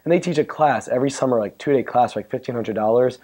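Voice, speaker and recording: A man with a hoarse, worn-out voice giving a chatty, joking technical talk at a conference and bantering with the audience. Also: mid-range voice, quick pace, dark tone. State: hoarse, losing his voice. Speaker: conference speaker. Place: conference room. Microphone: handheld or stand mic.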